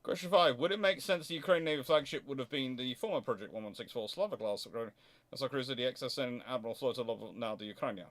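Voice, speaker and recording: A man hosting an unscripted explanatory question-and-answer talk, thinking aloud in halting stretches and sudden rushes as he works out his answers. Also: medium pitch, fairly bright tone. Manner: hesitant, thinking aloud, halting then rushing. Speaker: host answering viewer questions on naval history.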